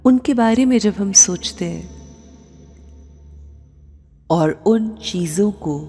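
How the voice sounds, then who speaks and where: Very slow, breathy woman guiding meditation. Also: sits low, mellow. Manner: measured, unhurried, with long pauses between short phrases. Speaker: guided meditation host. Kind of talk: slow guided meditation and prayer. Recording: long reverb with music bed. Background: music.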